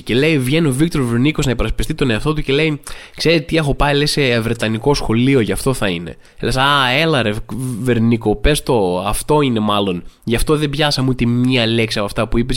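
A man with a Greek accent hosting a podcast, telling a sarcastic comic monologue with sudden jumps in pitch, slowing down for punchlines and rushing through asides. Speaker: podcast host.

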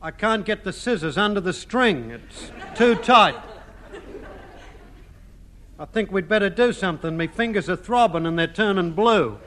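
A man's voice: high voice, expressive, measured pace, fairly bright tone, a little hiss or hum. An actor playing a dim, plaintive young man in trouble in a 1950s radio sitcom, using a funny voice. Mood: whining. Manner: plaintive and whining.

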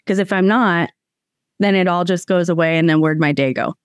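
A woman in a coaching group talks candidly and a little hesitantly, with fillers. Her voice is smooth and clear, and it sits close and dry on the mic with no echo. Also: lowish voice, moderate pace. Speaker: group participant. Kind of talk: casual sharing in a group.

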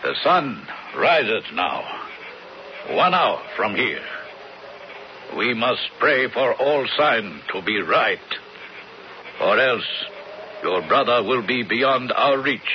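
An actor playing a grave, cautious Native American man who speaks formal, halting broken English in a radio drama. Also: fairly low pitch, very animated. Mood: solemn. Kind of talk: 1970s radio drama acting. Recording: muffled, noisy 1970s radio recording.

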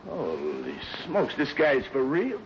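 An actor playing a brash, grumbling younger-brother accomplice with a slangy American voice, in 1950s radio style. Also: male voice, medium pitch, wildly swooping pitch, takes it slowly, vocal fry, full character voice. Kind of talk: 1950s radio adventure acting. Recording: very noisy, dull 1950s radio recording.

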